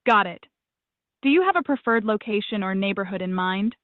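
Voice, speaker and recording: A synthetic woman's voice answering calls as a receptionist, polite, even and formulaic. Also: mid-range voice, brisk, no room sound. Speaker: AI phone receptionist. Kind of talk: scripted phone answering. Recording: dry tinny phone line.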